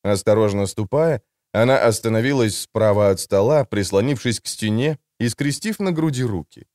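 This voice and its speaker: A man narrating an audiobook in an expressive, measured way. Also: on the low side, no echo, studio quality. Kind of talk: scripted narration.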